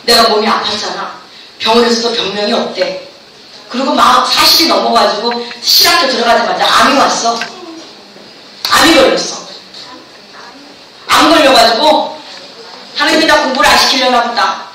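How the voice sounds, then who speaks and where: High-voiced fervent woman pastor in an echoey hall. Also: normal speed, long pauses. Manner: fervent call-and-response preaching, has the listeners repeat after her. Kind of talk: sermon to students at a camp. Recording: echoey hall, distant mic, background noise.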